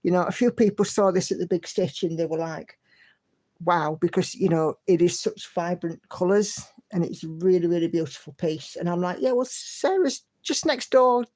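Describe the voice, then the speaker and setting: Reading viewer comments in casual chat, a woman hosts a livestream, humming to herself and staying chatty and encouraging. Her dark-toned voice is on the low side, with fairly even intonation at a moderate pace.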